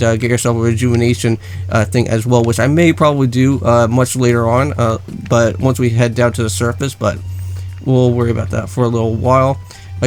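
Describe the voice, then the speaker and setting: A man hosting a gaming video, explaining things in a casual, rambling way and often repeating phrases. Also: medium pitch. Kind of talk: casual let's play commentary. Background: background music.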